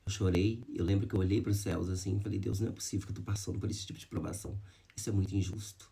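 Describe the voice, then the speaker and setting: A vlogger with a low, steady, dark-toned voice and vocal fry speaks rapidly to camera, sharing a personal testimony of hardship and faith. He's emotional and heartfelt, addressing viewers directly as "gente" and speaking in religious terms.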